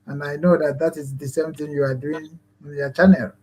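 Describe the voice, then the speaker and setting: Earnest Igbo-accented man hosting, high voice. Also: flat delivery, a little fast, darkish tone. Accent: Nigerian Igbo. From Nigeria, Igbo land. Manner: rambling and earnest, many fillers and restarts. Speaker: host. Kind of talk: online talk show hosting.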